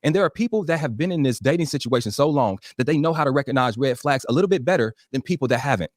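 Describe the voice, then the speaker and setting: Fast-talking, blunt man in a debate. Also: medium pitch, lively intonation, no room sound, studio quality. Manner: blunt, defensive, repeats himself when pushed. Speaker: podcast guest. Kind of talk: heated debate.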